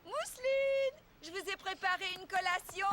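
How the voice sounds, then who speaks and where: A woman's voice: extremely high pitch, lively intonation, normal speed. A woman voicing a kind, encouraging grown-up of a family in a French children's cartoon.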